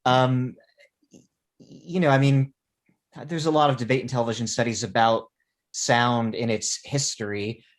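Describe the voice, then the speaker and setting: A man speaking as a panelist in an informal academic discussion, with measured, scholarly phrasing. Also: mid-range voice, steady tone.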